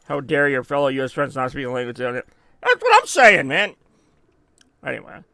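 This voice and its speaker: A man's voice: medium pitch, huge pitch swings, moderate pace, gravelly, sharp tone, dry recording, clean studio sound. An American man chatting casually and rambling while streaming a video game, often correcting himself and reacting to his deaths in the game. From United States. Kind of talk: casual gameplay chat.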